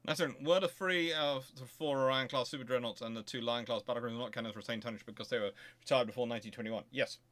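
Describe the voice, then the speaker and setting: Man talking off the cuff, halting and conversational. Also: medium pitch, a bit bright. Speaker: host of a naval history stream. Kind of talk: casual live question-and-answer talk.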